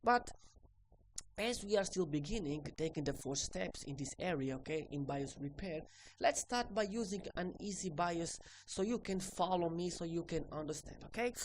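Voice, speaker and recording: Woman teaching in halting non-native English. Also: lowish voice, expressive, a little hiss or hum, rough recording. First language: Portuguese. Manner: halting, tags sentences with "okay?". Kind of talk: recorded online lesson.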